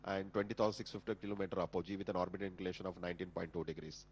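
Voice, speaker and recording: Low-voiced Indian man giving live launch commentary. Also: little pitch movement, very fast, darkish tone, slightly rough. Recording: humming background noise.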